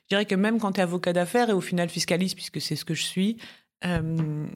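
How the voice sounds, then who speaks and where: A woman in her forties from Paris, a business tax lawyer chatting as a podcast guest, talking in lively bursts with quick asides and frequent laughs. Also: on the low side. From Paris, France. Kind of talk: casual interview chat.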